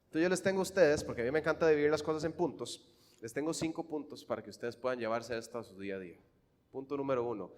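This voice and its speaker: A man with a Costa Rican accent preaching a sermon, swinging fervently from hushed, quiet lines to loud, emphatic ones. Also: medium pitch, quick pace, in a large hall. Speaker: pastor.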